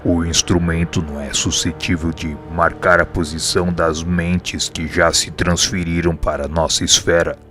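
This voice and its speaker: Man acting a deep, calm spirit mentor. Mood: calm, instructive. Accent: Brazilian Portuguese. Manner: measured, didactic, formal. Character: calm wise male spirit mentor explaining things. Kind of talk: scripted radio drama acting. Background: background music.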